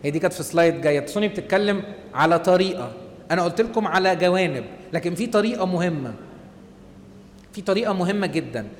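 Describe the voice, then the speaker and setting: A man with an Egyptian Arabic accent giving an animated church talk to a group, acting out the voices people use on themselves. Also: high-pitched, quick pace, in a large hall. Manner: animated, acts out inner voices. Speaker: church speaker.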